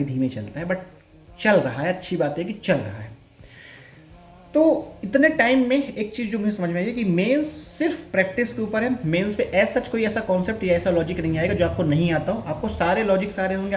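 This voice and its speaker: A young man preparing for bank exams vlogs casually to his viewers, offering study advice with self-mocking humor. His voice is high-pitched and the room sounds echoey.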